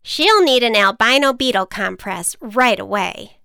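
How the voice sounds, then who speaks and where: A wicked witch, put on by a woman reading a storybook, speaks loud and high with a sure, know-it-all air. Her tone leaps about with lively swings and a smooth, clear ring. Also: measured pace, no room sound, clean studio sound, heavily acted. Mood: bossy, matter-of-fact. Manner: confident, matter-of-fact diagnoses.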